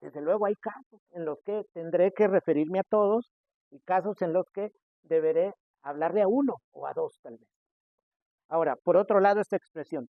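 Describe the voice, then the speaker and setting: A Mexican man preaching a sermon as pastor, acting out the people he quotes with sudden shifts in loudness. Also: high-pitched, moderate pace, no echo. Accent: Mexican Spanish. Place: church. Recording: dry, tinny phone-like sound.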